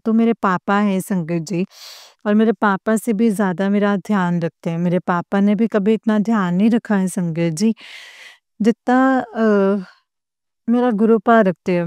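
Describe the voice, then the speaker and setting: A young woman, earnestly sharing a personal devotional testimony in a repetitive, halting way with many fillers. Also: medium pitch, a little mellow, smooth, no room sound. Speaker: devotee sharing her experience. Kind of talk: personal testimony to a spiritual gathering.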